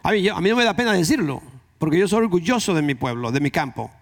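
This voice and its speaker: A man's voice: high-pitched, animated, fast. A man with a Dominican accent preaching a conversational sermon, repeating key phrases for emphasis. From Dominican Republic.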